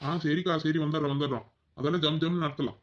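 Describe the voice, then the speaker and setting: A woman doing a deep-voiced village husband. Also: steady tone, quick pace, dull audio, a little hiss or hum, close to an everyday voice. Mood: easygoing. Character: middle-aged village husband, easygoing.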